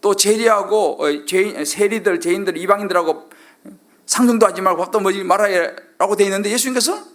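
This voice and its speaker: A man's voice: high voice, brisk, a bit bright. A middle-aged male pastor preaching a sermon, constantly asking the congregation questions and acting out quoted lines.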